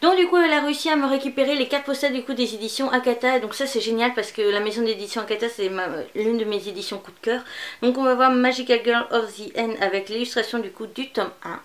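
A woman's voice: fairly high pitch, steady tone, fast. A woman presenting manga in a casual unboxing vlog, chatty and rambling, with many fillers. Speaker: manga YouTuber.

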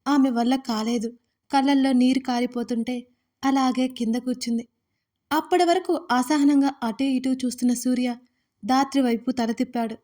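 A woman storyteller giving a steady, measured scripted narration of an audio story. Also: high voice.

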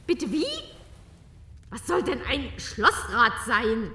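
A woman's voice: fairly high pitch, animated, takes it slowly, sharp tone, echoey room, recorded from a distance, full character voice. A woman playing a haughty, easily outraged countess in a comic fairy-tale audio drama, theatrical and exclamatory. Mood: baffled, irritated.

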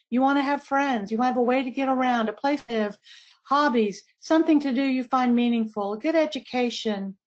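A middle-aged woman presenting a webinar, chatty and friendly, dropping casual asides as she goes. Her voice sits a little high. The audio is dull and lo-fi. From West Virginia, raised in Ohio. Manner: friendly, conversational, with asides and fillers.

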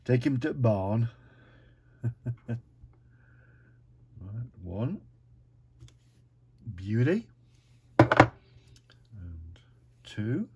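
Slow-talking British man demonstrating crafts. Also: mid-range voice, husky, highs cut off. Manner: relaxed, self-mocking, talks himself through each step. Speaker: card-making demonstrator. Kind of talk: chatty crafting tutorial. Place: craft desk indoors.

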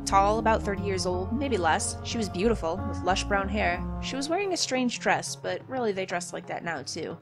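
A woman voicing a grumpy old male jeweler in a video game, talking gruffly and calling the hero "sonny". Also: mid-range voice, expressive, moderate pace, few pauses, music in the background, natural voice. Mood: grumbling. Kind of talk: reading game dialogue aloud.

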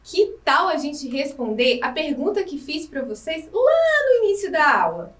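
High, lively woman teaching young kids. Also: distant mic. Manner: slow, clear, encouraging teacher talk with questions to the pupils. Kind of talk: recorded lesson for young children. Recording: echoey room, voice from off the mic.

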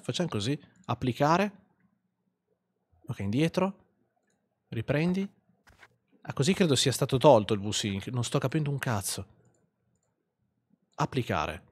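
A man streaming a game live, commenting sarcastically, swearing and mocking what he plays. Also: mid-range voice.

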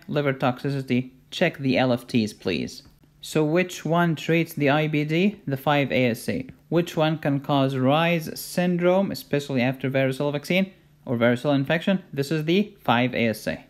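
Egyptian man giving a lively medical lecture. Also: medium pitch. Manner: jokey, emphatic teaching with rhetorical questions. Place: voice-over recorded for a drawn lecture video.

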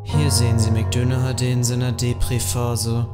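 A man's voice: medium pitch, little pitch movement, normal speed, loud music behind the voice, voice pushed down, close to an everyday voice. A young man voicing a mock-solemn, scornful documentary narrator.

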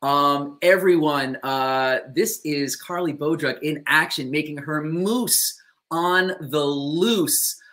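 A man's voice: on the high side, slow pace, sharp tone. A man in his thirties hosting a live stream over a video call, gushing with praise and relaying viewer questions. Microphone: video call webcam.

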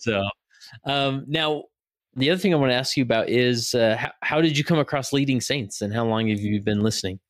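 Hosting a podcast, a man speaks at medium pitch and a fairly quick pace. His style is upbeat and chatty with lots of fillers and restarts, covering both a casual interview and a scripted promo read.

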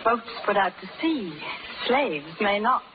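A woman's voice: medium pitch, big pitch swings, unhurried. An actress playing a spirited, poised young colonial lady in 1930s radio drama style. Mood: coy, challenging. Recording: tinny, crackly 1930s live radio, audience. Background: audience and crackle.

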